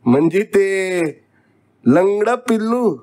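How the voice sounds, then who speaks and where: A man voicing a gentle old village father. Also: a little high, expressive, slow. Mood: coaxing. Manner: rustic, coaxing speech. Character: poor older village father, gentle and coaxing.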